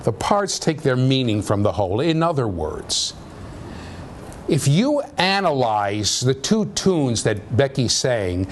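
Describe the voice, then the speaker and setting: Male professor, low voice, animated pitch, keeps asking "okay?", classroom tape with light noise. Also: slow pace. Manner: conversational, checks understanding with frequent "okay?". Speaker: university lecturer. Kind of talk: classroom lecture. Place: lecture room.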